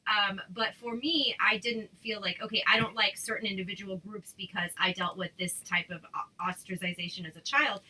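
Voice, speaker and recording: Bright-voiced woman, chatty host. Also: mid-range voice, fairly even intonation, fairly quick, few pauses, rough recording. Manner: chatty, many fillers and restarts. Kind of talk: casual chat.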